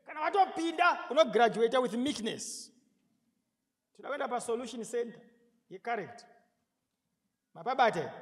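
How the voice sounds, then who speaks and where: High-voiced Zimbabwean pastor in a hall. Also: male voice. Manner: animated, rising to emphatic shouts, asks the crowd questions. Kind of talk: sermon mixing Shona and English. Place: large hall with seated congregation. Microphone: podium microphone. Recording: reverberant hall sound.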